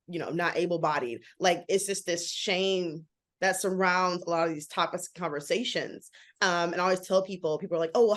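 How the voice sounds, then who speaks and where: A woman in her thirties, a guest in a casual interview, talking quickly and animatedly with many "like" fillers. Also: fairly low pitch. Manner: fast, animated, frequent "like" fillers. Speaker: guest, author and model.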